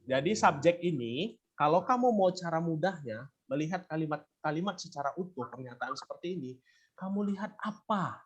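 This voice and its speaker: Male teacher in class, animated rising and falling voice, quizzing students. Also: a little high, moderate pace, husky. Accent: Indonesian. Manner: asks questions and coaxes students to answer. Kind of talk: classroom lesson.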